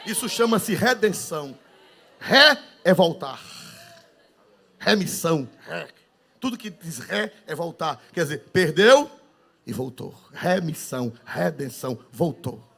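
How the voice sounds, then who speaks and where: An older man with a Northeastern Brazilian accent delivers a sermon in a fairly high voice. He preaches fervently, drops to a hush and then rises to a shout, with hallelujahs scattered throughout. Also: very animated, measured pace, vocal fry, husky. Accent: Northeastern Brazilian Portuguese. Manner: fervent preaching with frequent hallelujahs, swings from loud to quiet. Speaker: pastor.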